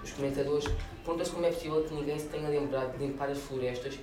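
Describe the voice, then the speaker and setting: A man reading a humorous prose excerpt aloud with a brisk, wry delivery. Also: fairly high pitch, fairly even intonation, over music. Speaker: reader at a reading event. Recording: echoey room, distant mic, noisy.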